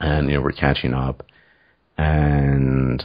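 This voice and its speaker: Very deep and low, a man's voice carries an American accent. His intonation is monotone and flat. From New York. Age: 30s. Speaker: YouTube channel host. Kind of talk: casual conversation.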